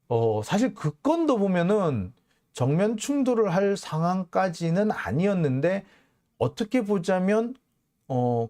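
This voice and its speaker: A man's voice: on the high side, a little mellow. A man hosting his own channel, giving an indignant news commentary monologue full of rhetorical questions. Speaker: journalist and channel host.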